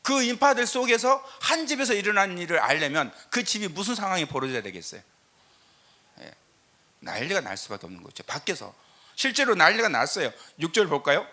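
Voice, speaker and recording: Middle-aged korean pastor guy, southern accent, lively swoopy pitch, lots of eo fillers and questions to the room. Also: fairly quick. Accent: southern Korean regional lilt. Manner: emphatic, rhetorical questions, frequent "eo" fillers. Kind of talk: lecture sermon with scripture reading. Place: church sanctuary.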